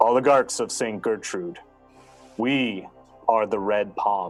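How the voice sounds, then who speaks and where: A man puts on a booming character voice at a medium pitch and a fairly slow pace, with faint music in the background. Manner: calm, steady.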